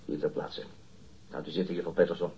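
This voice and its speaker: An actor playing a formal, persistent police detective questioning a witness in a radio drama, politely insistent. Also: male voice, low voice, flat delivery, fast talker, creaky, dark tone, a little hiss or hum, poor audio. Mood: formal, probing. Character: male police detective inspector, formal, persistent, coolly pressuring. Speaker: interrogating police officer. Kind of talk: radio drama dialogue, interrogation.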